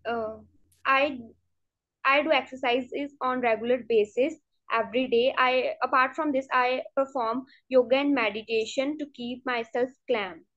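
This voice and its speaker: A woman's voice: sits high, fairly even intonation, unhurried, a bit bright. Hesitant young woman, Punjabi native. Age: student. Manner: hesitant, with many fillers and restarts. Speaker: test candidate. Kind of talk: mock speaking exam answers. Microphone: video call. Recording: dull lo-fi video call audio.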